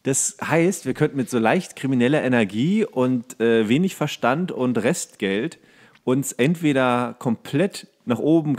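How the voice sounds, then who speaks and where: A man with a medium-pitched voice chats casually as a podcast co-host. He rambles through his points in a jokey style, pitching things with mock seriousness. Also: a little mellow. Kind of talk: casual comedic banter.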